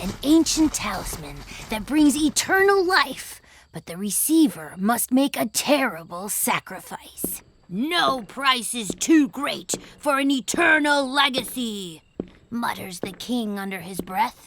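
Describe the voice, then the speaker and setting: A cartoonish character voice with a theatrical tone, at a fairly slow pace. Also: female-sounding voice, high pitch for a woman. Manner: eager, theatrical.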